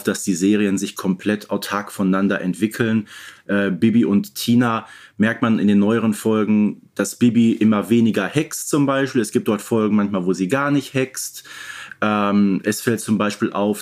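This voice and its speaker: A man's voice: on the low side, a little mellow. A man co-hosting a podcast, talking casually as a fan and explaining points in an informal discussion. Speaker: podcast co-host.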